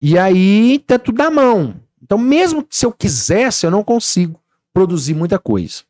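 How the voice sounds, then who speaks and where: A man's voice: sits high, moderate pace, no echo, studio quality. A man, a podcast guest telling stories and acting out what people said. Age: 30s. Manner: animated storytelling, acts out dialogue. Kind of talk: casual podcast chat.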